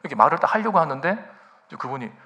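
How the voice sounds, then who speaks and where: A man's voice: a little high, very animated, racing, sharp tone, muffled recording. A male pastor preaching a sermon in a church sanctuary, telling stories with animation and putting rhetorical questions to the congregation.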